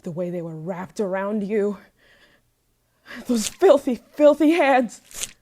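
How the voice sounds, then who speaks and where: A woman's voice: mid-range voice, lively intonation, slow pace, dark tone. A woman playing an obsessive, possessive, murderous yandere lover in an intimate ASMR roleplay monologue, moving between whispers and frantic outbursts. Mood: jealous, frantic rage.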